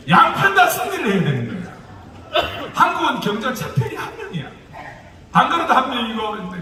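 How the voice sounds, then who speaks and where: A man's voice: high voice, a bit bright. A male pastor with a Gyeongsang dialect gives a lecture-style sermon, joking and putting rhetorical questions to the audience. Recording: echoey hall, distant mic, noisy.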